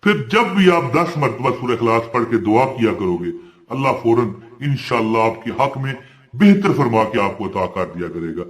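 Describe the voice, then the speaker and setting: Male preacher, devotional talk, chants verses, asks and answers himself, mid pitch, echoey room. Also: sing-song, moderate pace. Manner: chants Quranic verses in a rising tone between plain explanation. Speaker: Islamic preacher. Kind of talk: devotional talk on a prayer practice. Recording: roomy echo.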